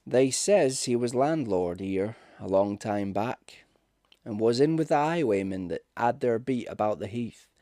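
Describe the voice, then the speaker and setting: A man's voice: mid-range voice, lively intonation, unhurried, warm tone, dry recording, studio quality, close to an everyday voice. A man voicing a superstitious, deferential country innkeeper in a ghost story, speaking in folksy dialect. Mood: wary. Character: rustic English innkeeper, superstitious, deferential and reproachful. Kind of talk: ghost story audiobook character.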